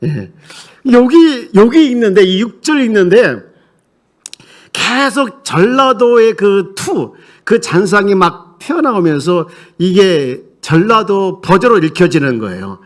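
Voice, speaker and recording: A man's voice: sits high, very animated, slow pace. A male pastor preaching a sermon in a church sanctuary in a conversational way, leading the congregation in reading aloud together.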